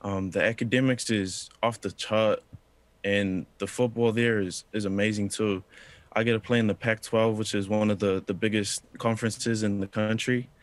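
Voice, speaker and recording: A man's voice: fairly low pitch, steady tone, moderate pace, no echo. A young man from New Zealand on a video call, answering politely and earnestly, calling the host sir. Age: young adult. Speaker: interviewee. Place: indoor room.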